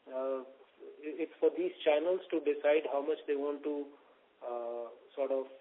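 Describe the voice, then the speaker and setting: A man with an Indian accent, a company executive giving measured explanatory answers to investors on a conference call. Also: fairly high pitch. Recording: narrow, tinny phone-line audio.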